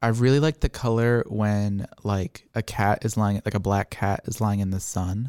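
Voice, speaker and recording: A man with a plain, everyday voice speaks at a fairly low pitch and moderate pace with fairly even intonation and hardly any pauses, in a dry, close sound with no echo on a very clean recording with a silent background. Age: 20s. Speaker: artist. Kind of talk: casual interview.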